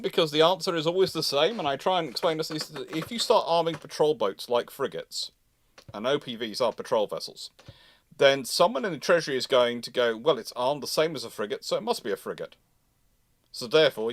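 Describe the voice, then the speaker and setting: British male host, live Q&A explainer, halting then emphatic, mid pitch, dry sound. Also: dry recording. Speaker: host answering audience questions. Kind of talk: live Q&A, explanatory commentary on naval matters.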